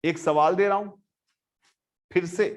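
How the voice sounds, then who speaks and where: A man lecturing a physics class, switching between quiet and loud talk as he works problems and speaks to his students. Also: high voice, a little slow. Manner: animated, swings between soft and loud, addresses students directly. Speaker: physics teacher.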